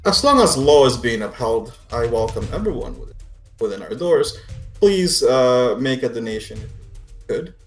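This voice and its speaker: A man's voice: mid-range voice, sing-song, moderate pace, soft background music, close to an everyday voice. A man voicing a polite, bland priestess of a lawful god, speaking formally. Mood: gracious, welcoming.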